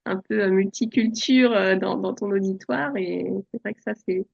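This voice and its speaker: Soft-spoken woman in her forties. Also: mid-range voice, moderate pace, creaky, highs cut off. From France. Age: 40s. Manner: soft-spoken, hesitant, many fillers. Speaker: podcast guest. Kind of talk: relaxed personal interview.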